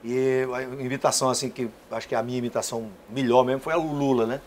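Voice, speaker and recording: A man, a comedian, chatting quickly as a guest and laughing along at his own jokes. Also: medium pitch, steady tone, darkish tone, slight background noise. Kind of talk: talk show conversation.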